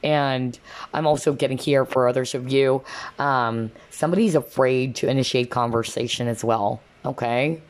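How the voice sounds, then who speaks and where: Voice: medium pitch, moderate pace. A tarot card reader talking casually to viewers in a conversational way, often checking in with a short questioning tag. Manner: conversational, frequently checks in with "okay?".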